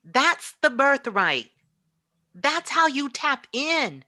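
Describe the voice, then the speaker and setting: A woman's voice: high voice, big pitch swings, takes it slowly, pushed and bright. A woman giving an impassioned spiritual talk as a guest teacher, emphatic and repetitive like a preacher.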